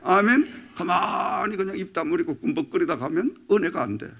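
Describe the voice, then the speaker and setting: A male pastor preaching a Sunday sermon, animated and calling out to the congregation for amens. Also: high-pitched, moderate pace, creaky, husky.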